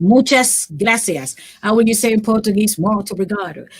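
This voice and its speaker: In a Jamaican accent, a woman with a fairly high pitch and a somewhat breathy voice speaks in a dry, close sound with no echo. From Cuba. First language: Jamaican Patois. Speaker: retired language professor. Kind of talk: lecture.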